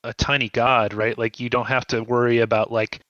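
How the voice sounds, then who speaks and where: Bright-voiced wry man, dry sound. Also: mid-range voice, flat delivery, brisk, no room sound, highs cut off. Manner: wry, playful. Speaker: writer, interview guest. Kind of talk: casual interview chat.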